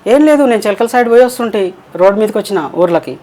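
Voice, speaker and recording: Fast-talking transgender guest, Telangana accent. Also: medium pitch, lively intonation, dark tone. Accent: Telangana Telugu. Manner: rambling personal storytelling, acts out quoted voices. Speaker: interview guest. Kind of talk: casual storytelling.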